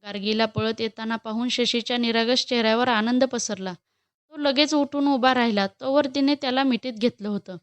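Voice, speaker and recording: A woman reads a romantic story aloud in a steady, expressive way. Her voice sits fairly high and sounds smooth and clear. It is recorded close on a dry mic. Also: moderate pace, dry recording. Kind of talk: scripted story narration.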